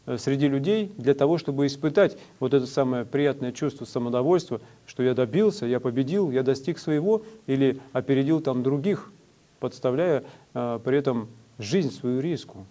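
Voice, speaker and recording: A man preaching a sermon in a measured, instructive way, with frequent hesitations. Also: mid-range voice, mellow.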